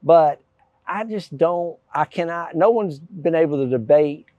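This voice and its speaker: A man hosts a relaxed local conversation, his tone mellow and a little muffled in a dry room. He argues his views with rising emphasis, inviting disagreement. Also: a little high, unhurried, no room sound. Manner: opinionated, builds emphatically when arguing. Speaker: mayor hosting a local talk show. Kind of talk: conversational interview.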